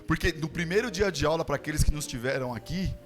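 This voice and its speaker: A man's voice: on the high side, fast. A man with a Brazilian Portuguese accent teaching a church Bible class, addressing the congregation as brothers. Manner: warm encouraging address to the congregation. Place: church hall. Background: instrumental music.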